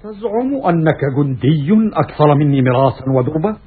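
An actor playing a stern, righteous Roman commander, declaiming with scornful anger in classical Arabic radio theatre style, with a husky voice. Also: male voice, fairly high pitch, animated, a little fast. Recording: muffled, raspy, phone-like old radio recording.

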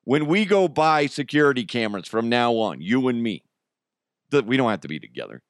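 A man's voice: mid-range voice, sing-song, brisk, no echo, studio quality. A man with an American accent hosting a podcast, talking in an informal, slangy, conversational way. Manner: chuckles through his own remarks. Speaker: podcast host. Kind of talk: casual solo comedy podcast chat.

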